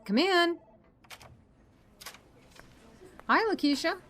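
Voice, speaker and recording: An actress playing a friendly, expressive woman doctor in an audio drama. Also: very high-pitched, moderate pace, a little hiss or hum. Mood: welcoming. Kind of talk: full-cast audio drama acting.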